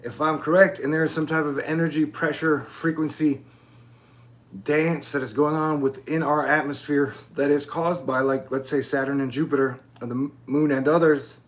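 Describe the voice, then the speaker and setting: A fairly high male voice with a flat delivery holds a moderate pace. He's in his forties, hosts his own channel, and talks in a loose, rambling monologue peppered with casual swearing.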